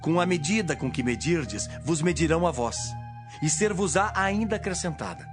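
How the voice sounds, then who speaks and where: A man playing Jesus as a solemn, authoritative teacher in a dramatized audio Bible, with measured, declamatory delivery. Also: fairly high pitch, expressive, close to an everyday voice. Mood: solemn teaching. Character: Jesus, authoritative male teacher speaking in parables. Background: music.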